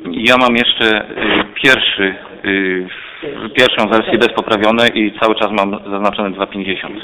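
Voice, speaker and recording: A city councillor reading out figures at a council meeting in a plain, businesslike way. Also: male voice, lowish voice, fairly even intonation, unhurried, crowd noise, poor audio. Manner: plain, businesslike, reads numbers out.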